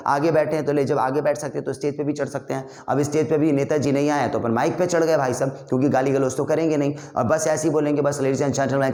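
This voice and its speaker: A man teaching spoken English, coaching his viewers in an energetic, friendly classroom style. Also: medium pitch, vocal fry, roomy sound.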